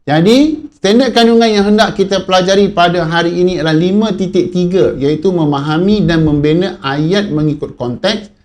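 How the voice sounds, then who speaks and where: A man with a high voice and a Malaysian Malay accent teaches an online class to young pupils. He is animated, asks the children questions and answers for them, and keeps the lesson moving. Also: moderate pace. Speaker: primary school teacher.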